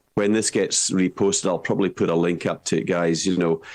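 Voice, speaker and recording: Against a quiet background, a man with a Scottish accent speaks very fast in a very deep, low pitch with monotone, flat intonation. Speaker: political commentator. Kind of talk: interview. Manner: halting, repeats words.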